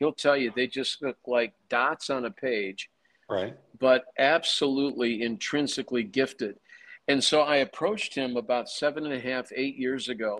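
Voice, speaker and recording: A man speaks in an ordinary speaking voice with an American accent, at a medium pitch and a moderate pace. His pitch varies in an ordinary way, and the sound is dry and close with no echo. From US Midwest (Chicago). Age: 60s. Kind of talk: interview. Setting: remote call.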